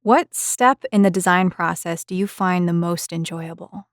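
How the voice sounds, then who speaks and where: A woman's voice: lowish voice, normal speed, no echo, clean studio sound. A woman hosting a conversational interview, reading out questions and responding to the answers. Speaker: interviewer, host.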